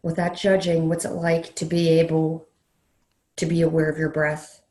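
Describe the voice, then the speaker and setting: A woman leading a guided meditation in a slow, soothing way, leaving long pauses between phrases. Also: low-pitched, flat delivery, warm tone. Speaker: meditation leader, counselor educator. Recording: roomy, echoey sound.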